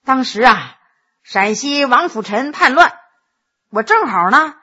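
A woman voicing an earnest, thoughtful young male scholar who speaks in a measured, gently wry way, on a dull lo-fi recording. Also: sits high, expressive, husky, full character voice. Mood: reflective.

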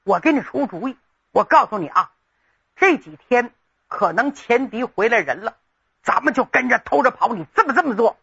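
A woman storyteller voicing an excitable teenage boy who lisps and stammers while egging his friend on. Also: a little high, normal speed, creaky, breathy edge, highs cut off, exaggerated voice. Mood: excited, urging. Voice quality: lisping, stammering.

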